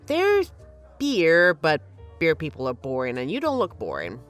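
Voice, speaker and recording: A woman's voice: low voice, wildly swooping pitch, unhurried, faint music behind, full character voice. A woman playing a flirty, teasing but caring bartender in an intimate, conversational audio roleplay. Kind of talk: intimate scripted roleplay, ASMR-like.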